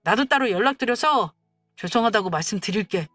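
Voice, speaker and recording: A woman's voice: mid-range voice, expressive, brisk, fairly bright tone, faint music behind. Woman voicing a whiny, pleading husband. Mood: excusing. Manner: whiny, wheedling excuses. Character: self-excusing husband, weak-willed and pleading.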